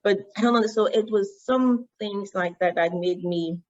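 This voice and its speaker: A woman from Cameroon with a Cameroonian accent, her first language Yemba, telling her story as an interview guest in an animated way with frequent restarts. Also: mid-range voice, normal speed. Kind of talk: interview conversation. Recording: dull lo-fi sound.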